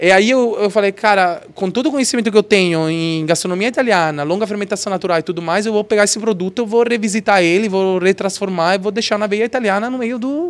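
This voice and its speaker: A man with a high voice talks at a very fast pace with hardly any pauses and ordinary pitch variation. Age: 30s. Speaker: donut business founder; podcast guest. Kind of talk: casual interview. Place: studio. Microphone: studio mic.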